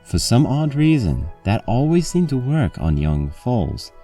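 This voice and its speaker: A man's voice: medium pitch, sing-song, a little slow, mellow, soft background music. A man reading a scripted story aloud as its narrator.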